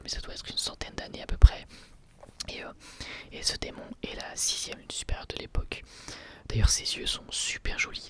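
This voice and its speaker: An ASMR creator whispering an episode review, hesitant and full of fillers and restarts. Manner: soft, breathy whisper throughout.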